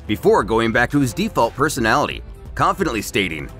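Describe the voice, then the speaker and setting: A man reads a scripted story recap like a storyteller. His pitch is medium and moves around in a lively way. Faint music plays underneath. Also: fairly quick. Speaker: YouTube narrator and host.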